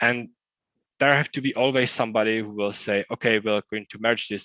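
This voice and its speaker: A man with a Czech accent speaks in a bright, sharp tone and fairly even intonation. The sound is dry and close with no echo, over a quiet background. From Czech Republic. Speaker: conference speaker, software engineer. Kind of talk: conference tech talk. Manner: hesitant, many filler sounds.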